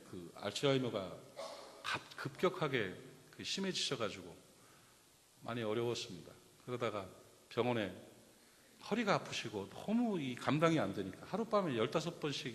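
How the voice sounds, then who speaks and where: A middle-aged man preaching a Sunday sermon as pastor, shifting between loud exhortation and quiet personal storytelling. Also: mid-range voice. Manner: impassioned preaching that drops to soft storytelling. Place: church sanctuary. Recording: reverberant church hall.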